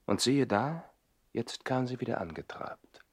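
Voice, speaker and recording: A man's voice: medium pitch, lively intonation, unhurried, background noise, lightly acted. An actor playing a lovesick nobleman who lives in the trees, in a theatrical 1960s German radio play. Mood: wistful, recounting. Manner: theatrical, swinging from reflective telling to anguished outbursts.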